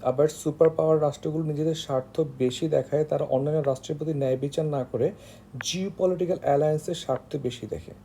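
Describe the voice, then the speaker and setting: Male online tutor, Bangladeshi accent, very mellow tone with gravelly fry, halting informal lecture delivery. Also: a little high, fairly even intonation, slight background noise. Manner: halting, with frequent hesitations and filler phrases. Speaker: online tutor for job exam candidates.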